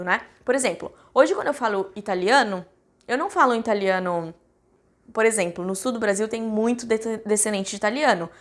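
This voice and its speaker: Brazilian woman chatting to her viewers, casual and rambly, lots of fillers. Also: medium pitch. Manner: chatty, addresses viewers directly, many fillers. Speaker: cruise ship crew vlogger.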